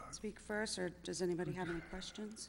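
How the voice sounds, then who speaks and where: There is audible room echo on this recording. The intonation is monotone and flat. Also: woman. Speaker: board of health member. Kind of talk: public meeting. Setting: town hall meeting. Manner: loud.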